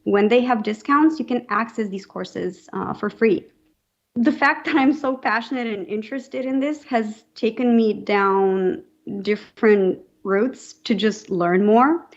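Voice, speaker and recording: A woman's voice: medium pitch, measured pace, highs cut off. A young adult woman from Romania, a podcast guest talking earnestly and thoughtfully, with frequent fillers. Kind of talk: casual interview talk.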